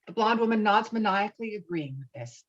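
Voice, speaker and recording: A woman's voice: mid-range voice, animated, a little fast. A lo-fi, slightly muffled online recording of a woman narrator. She reads film stage directions in a mid-range voice, as scripted narration at a table read. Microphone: online call microphone.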